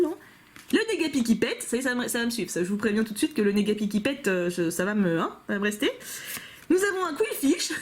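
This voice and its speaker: A playful, chatty woman, casually commenting and joking as she opens card packs. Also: fairly high pitch. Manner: playful, chatty, giggly, jokes to herself. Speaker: YouTuber opening trading card packs. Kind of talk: casual commentary while unboxing.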